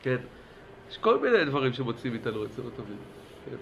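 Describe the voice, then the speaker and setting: A man teaching a religious class in a lively lecture style, urging his listeners on and asking them questions. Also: medium pitch, gravelly, slight background noise. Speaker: Torah teacher.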